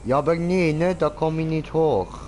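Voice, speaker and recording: A man's voice: on the high side, moderate pace, a little mellow, slight background noise. A man with a Swiss German accent chatting casually as he streams a game, exclaiming and repeating words in bursts. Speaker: streamer playing GTA Online with a friend. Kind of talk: casual live gaming chat.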